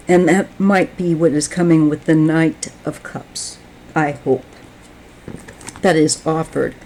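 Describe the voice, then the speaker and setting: A woman giving a tarot reading, speaking in a slow, halting, reflective way while she is losing her voice. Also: low voice, gravelly, warm tone, slight background noise, low-quality recording. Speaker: tarot reader.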